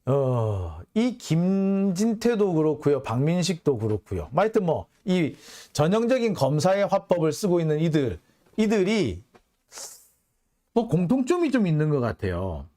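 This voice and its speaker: A man's voice: huge pitch swings, moderate pace, warm tone. A middle-aged man giving a blunt, scornful political monologue as host, with many fillers and sudden jumps in tone. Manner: blunt, scornful, mimics others in a high voice.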